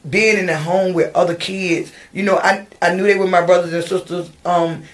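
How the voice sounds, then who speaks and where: A woman's voice: fairly low pitch, fairly even intonation, moderate pace. A middle-aged woman, a podcast guest recounting her life with many ums and restarts. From Virginia, USA. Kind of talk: personal storytelling in an interview. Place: podcast studio.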